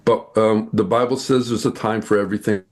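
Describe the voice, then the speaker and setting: A man with a fairly low voice talks about spiritual ideas in an interview. He explains earnestly and patiently, and he stretches out his key phrases. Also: fairly even intonation. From United States. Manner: earnest, explanatory, slows to stress points. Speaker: guest.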